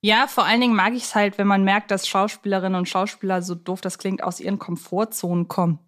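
Casting: woman, podcast co-host, casual film talk, playful and colloquial, medium pitch. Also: flat delivery, fast talker, a bit bright.

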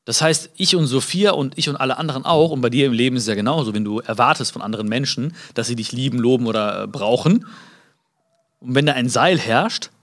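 Animated man giving a motivational talk. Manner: animated, pitch jumps high for emphasis, addresses listener directly; many fillers and restarts, acts out small dialogues. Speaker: motivational speaker. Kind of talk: live motivational talk with audience interaction.

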